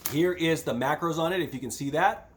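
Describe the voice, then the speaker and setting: A man with a slightly high voice talks through a casual product review as the host. He chats informally to viewers while tasting crunchy chips. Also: brisk, slight background noise.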